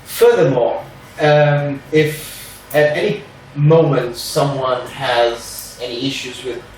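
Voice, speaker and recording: A man's voice: mid-range voice, fairly even intonation, takes it slowly, slight background noise. A man from Portugal with a Portuguese accent, a non-native English speaker, giving a careful, hedging introductory talk to a reading group. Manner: careful, hedging, many "sort of" fillers. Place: room at a group meeting. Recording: very echoey room, mic far off.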